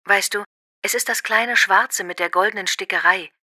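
Woman, acted, very bright and forward, affectionate partner on a scripted voicemail, carefully articulated, dry recording. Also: mid-range voice, moderate pace, no room sound. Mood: affectionate, asking. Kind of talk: acted voicemail message for a listening exercise.

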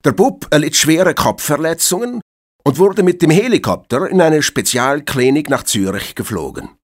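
A man's voice: fairly high pitch, big pitch swings, normal speed. A man playing a formal evening newsreader, delivering a scripted police report with emphasis. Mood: formal, serious. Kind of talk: scripted news bulletin.

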